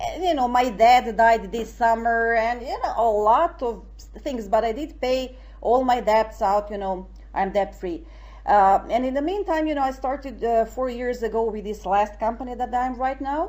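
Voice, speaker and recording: This woman has a Serbian accent and a fairly high pitch. She talks at a moderate pace with ordinary pitch variation. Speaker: network marketer. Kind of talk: interview testimony.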